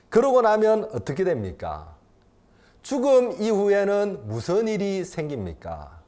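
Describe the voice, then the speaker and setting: A man in his fifties, a pastor preaching a sermon, swinging from loud emphatic lines to quiet intimate ones and repeating phrases for emphasis. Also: sits high.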